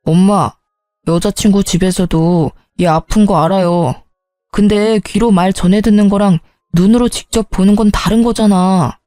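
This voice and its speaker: An exasperated grown eldest son in a storybook drama, as a woman narrator plays him, pleading and frustrated. The voice is mellow, dry and close, with faint music running behind. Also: medium pitch, fairly even intonation, moderate pace, dry recording, lightly acted.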